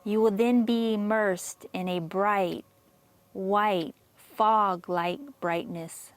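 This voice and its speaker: A woman reading a scripted guided meditation in a measured, soothing manner with long pauses. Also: mid-range voice, steady tone.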